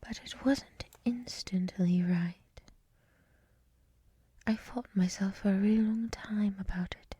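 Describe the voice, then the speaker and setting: A gentle dryad librarian played by a woman whispers in a very breathy, airy voice with a dark, mellow tone. She takes her time, hushed and reflective, in a soothing ASMR roleplay recorded close and dry. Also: medium pitch, slow pace, pauses often, no echo. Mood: wistful, confiding. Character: gentle soft-spoken female dryad head librarian. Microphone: close microphone.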